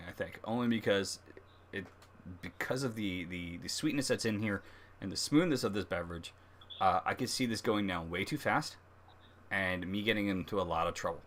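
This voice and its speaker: A man with a fairly low voice hosts a casual live review. He talks in a halting, conversational way, working out his thoughts as he speaks. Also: fairly bright tone, a little hiss or hum. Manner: halting, thinking aloud. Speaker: host of a beer review livestream. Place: livestream, speaking beside a laptop.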